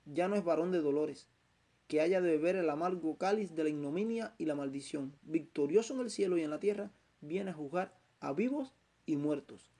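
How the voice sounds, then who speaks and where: Give me a man preaching a Bible lesson. His voice is gravelly and dark in tone. He speaks slowly and emphatically, repeating phrases for stress. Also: on the high side. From Cuba. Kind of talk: Bible teaching sermon.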